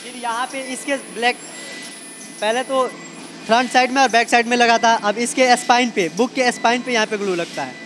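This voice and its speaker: A young man guides a reporter around a printing factory, plainly explaining each step of production with restarts and fillers as they walk the large indoor floor among running machines. His voice is very high-pitched and fairly quick with fairly even intonation. He speaks into a handheld mic held by the interviewer, with music in the background.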